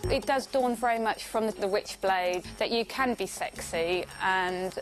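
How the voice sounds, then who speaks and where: A woman's voice: medium pitch, a little slow, rough recording. A woman giving frank, opinionated views in a documentary interview. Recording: music under the voice.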